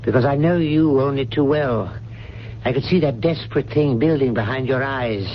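An actor playing an elderly, loyal family butler who speaks formally and deliberately with cold disapproval, in a radio mystery. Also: male voice, medium pitch, natural voice. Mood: grave, accusing. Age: older. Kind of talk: 1970s radio mystery acting. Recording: dull radio recording, faint hum.

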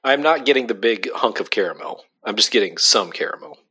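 A man's voice: on the low side, lively intonation, fairly quick, bright, forceful tone, slightly rough. A young adult man co-hosting a casual podcast chat, talking loosely with lots of fillers and easy laughs. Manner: chatty, laughs easily, frequent "like" fillers. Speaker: podcast co-host.

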